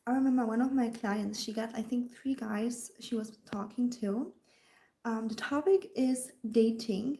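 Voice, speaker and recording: On her livestream, a dating coach with a German accent talks informally to viewers, often lowering her voice to a whisper and responding to comments along the way. Her voice sits slightly high with a dark tone, and the room sounds echoey.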